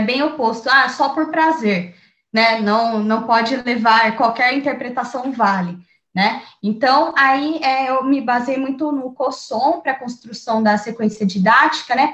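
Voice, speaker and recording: Brazilian woman teacher thinking out loud, lots of filler words, echoey room. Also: sits high, dull audio. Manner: thoughtful, many fillers and restarts. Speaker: teacher and researcher, guest. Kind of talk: conversational interview.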